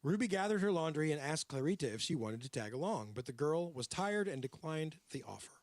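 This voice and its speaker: A man's voice: fairly high pitch, brisk, no echo. A man hosting a podcast, telling a true-crime story and slipping into character voices. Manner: animated, drops into character voices. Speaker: podcast host.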